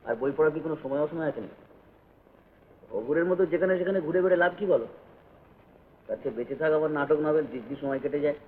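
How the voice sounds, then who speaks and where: Actor as a wry, sulky young son; grumbling mutters, high voice, tinny hissy vintage film audio. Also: male voice, fast talker, long pauses, natural voice. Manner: grumbling mutters, playful retorts. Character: young man Jayanta, witty, sulky, teasing son. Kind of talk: 1950s film acting. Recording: tinny old film soundtrack with hiss.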